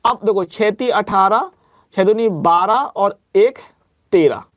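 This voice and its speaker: The recording is dry and dull as a young man with a high-pitched voice teaches maths for an exam. He works aloud through each sum step by step and keeps repeating that students should be careful. He slows to dictate formulas and speeds up for asides.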